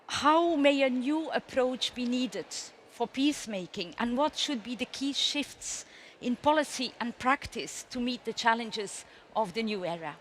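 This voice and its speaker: A woman's voice: fairly high pitch, animated, measured pace, a little hiss or hum. A woman moderating a panel, putting a formal, scripted question to a speaker.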